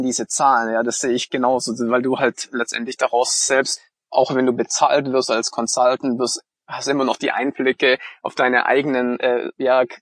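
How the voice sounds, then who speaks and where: A man in his thirties with a light Swabian accent talks loosely in a podcast chat, full of fillers. His voice is a little husky and sounds dry and close, with no room around it. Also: medium pitch, no room sound. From Stuttgart, Germany. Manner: relaxed, chatty, many fillers. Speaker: podcast co-host, online marketing consultant.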